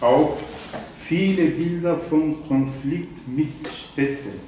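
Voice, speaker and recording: A man with a Turkish accent talks at a very slow pace, his fairly high pitch held in fairly even intonation. Audible room echo and light background noise surround his voice. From eastern Anatolia, Turkey. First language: Zaza (speaking German). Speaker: poet. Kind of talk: poetry reading; author talk. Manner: halting. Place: bar. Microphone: camera far.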